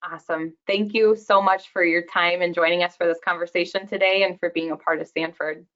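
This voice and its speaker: A woman's voice: fairly low pitch, steady tone, a little fast, fairly bright tone. A woman hosting a webinar conversation, upbeat and welcoming to her guests. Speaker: webinar host. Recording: dull lo-fi audio.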